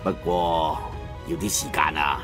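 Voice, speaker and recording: An actor playing a proud, emotional old master locksmith in an emphatic Cantonese audiobook drama. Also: male voice, deep voice, steady tone, unhurried, over music. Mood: confident. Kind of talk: dramatized audiobook character acting.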